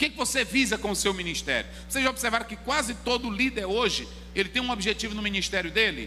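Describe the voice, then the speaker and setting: Very fast speech from a man, noticeable background noise behind it. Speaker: pastor. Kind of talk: sermon.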